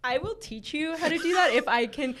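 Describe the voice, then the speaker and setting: A woman's voice: sits high, lively intonation, fairly quick, fairly bright tone. A woman reporter whose first language is Spanish, chatting casually and giggling between thoughts. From Idaho, USA. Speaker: reporter and guest. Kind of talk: casual studio chat.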